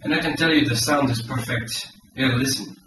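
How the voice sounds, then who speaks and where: A man's voice: medium pitch, fairly quick, distant mic, lightly acted. A man playing a boastful former KGB agent with a put-on Russian accent and broken English, hawking gadgets like a proud salesman. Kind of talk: comedy sketch in character. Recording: very echoey room, off-mic, music behind.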